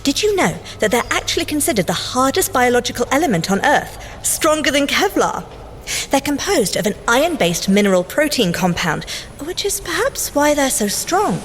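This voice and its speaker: Lively, wry scientist agent. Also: female voice, high voice, normal speed, a little hiss or hum. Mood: earnest, eager. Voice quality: precise, wry delivery. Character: dry, brainy, teasing young female scientist agent. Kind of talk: banter in an audio drama field report.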